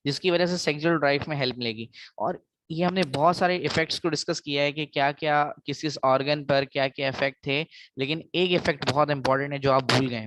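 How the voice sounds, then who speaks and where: A man's voice: fairly high pitch, fairly bright tone, no echo. A man with a South Asian accent giving an explanatory biology lecture, mixing in English and repeating key phrases for emphasis.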